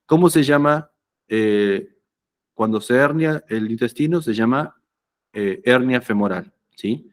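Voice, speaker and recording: Guy with lecturing on anatomy, mid pitch, keeps asking "right?". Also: measured pace. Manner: conversational, checks understanding often with "¿sí?". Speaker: anatomy teacher. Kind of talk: lecture explaining slides.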